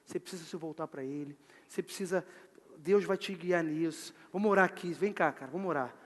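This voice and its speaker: A man voicing a devout father who calmly counsels and prays over his son in a soft, fatherly way. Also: a little high, brisk, voice pushed down, natural voice. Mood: tender. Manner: soft, calm, fatherly, prayerful. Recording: long church hall reverb.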